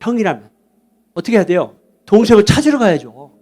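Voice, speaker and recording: A middle-aged man preaching a sermon, telling a family story with lively acted-out dialogue. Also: sits high, fairly quick. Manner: storytelling with animated quoted dialogue. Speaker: pastor.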